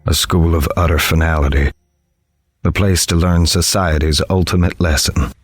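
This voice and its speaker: A grave reporter played by a man tells a horror story in a very deep voice. His delivery is measured, somber and literary, with music playing underneath. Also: fairly even intonation, breathy edge. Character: grave, observant male newspaper reporter. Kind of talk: first-person narration of a horror audio drama. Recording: music behind the voice.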